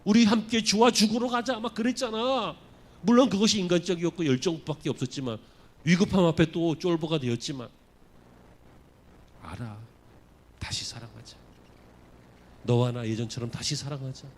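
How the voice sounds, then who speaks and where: A pastor voicing a gentle, forgiving Jesus. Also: male voice, brisk. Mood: tender. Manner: soft, low and tender. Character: Jesus, gentle forgiving man speaking to a disciple.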